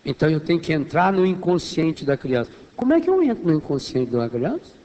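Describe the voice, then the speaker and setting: A Catholic priest from Brazil preaches in a fairly high voice. He slips into a hushed, soothing tone to demonstrate, then swells into loud, emphatic preaching. His voice rings with the long reverb of a large hall. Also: very animated, quick pace. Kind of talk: sermon.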